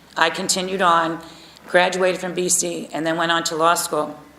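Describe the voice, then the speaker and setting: A woman speaks at a medium pitch, with audible room echo around her voice. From Kentucky. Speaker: judicial nominee, lawyer. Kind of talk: confirmation hearing statement. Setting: hearing room. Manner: formal.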